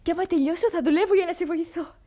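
An actress in a radio play, playing an earnest young daughter who speaks in a pleading, hopeful way. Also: female voice, very high voice, mellow.

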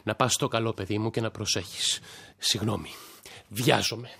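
An actor playing a stubborn, grieving middle-aged father who speaks curtly and gruffly in a radio drama. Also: lowish voice, steady tone, pushed and bright, heavily acted. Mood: hurried.

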